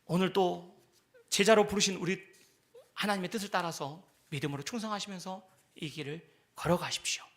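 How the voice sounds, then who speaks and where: Male pastor, sermon delivery, high and bright, acts out quoted lines, sinks to breathy whispers. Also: fairly quick. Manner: acts out quoted voices of God and believers, swinging loud and soft; drops to a breathy near-whisper at the ends of points.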